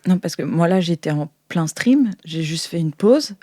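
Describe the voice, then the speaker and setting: A woman's voice: lowish voice, expressive, moderate pace, dark tone, no echo, studio quality. A woman playing a shy, flustered young female streamer in an improvised audio role-play, speaking hesitantly with stammers. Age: young adult.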